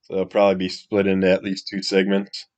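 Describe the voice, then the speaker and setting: Raspy low-voiced Midwestern man with a cold. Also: monotone, a little fast, a little mellow. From Wisconsin. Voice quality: low and rambling, trailing off into mumbles. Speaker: comic book reviewer. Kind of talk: casual solo review chat.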